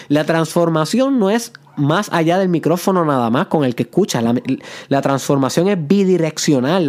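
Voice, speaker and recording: A man hosting a motivational podcast, sprinkling English phrases into his talk and playing his voice between loud and soft. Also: on the high side. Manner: plays with loud and soft delivery for effect. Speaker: podcast host.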